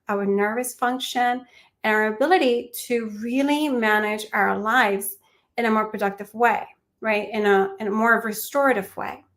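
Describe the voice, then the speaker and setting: A woman's voice: a little high, a bit bright. A young adult woman from Peru, a mindfulness teacher answering interview questions in an earnest, reflective way. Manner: earnest, reflective, with restarts and small laughs.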